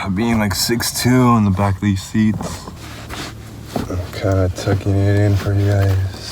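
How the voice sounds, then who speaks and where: Noticeable background noise accompanies the voice. The delivery is fairly slow. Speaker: student, car enthusiast. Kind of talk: casual talk to camera.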